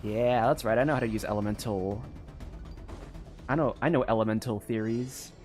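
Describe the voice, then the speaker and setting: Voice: mid-range voice, normal speed, darkish tone, soft background music. A streamer giving casual, offhand commentary while playing a video game.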